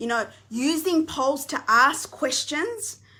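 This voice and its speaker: A woman speaks in an animated tone with a raised, projected voice at a high pitch. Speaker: business coach. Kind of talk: live stream tutorial. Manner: fast.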